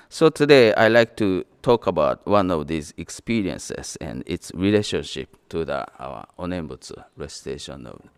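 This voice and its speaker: A man with a very deep, low pitch and vocal fry speaks at a moderate pace, his pitch swinging very widely and his loudness shifting a lot, in a dry, close recording with no echo. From Japan. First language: Japanese. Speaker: Buddhist minister. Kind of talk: dharma talk. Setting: temple with in-person audience. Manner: halting, with fillers.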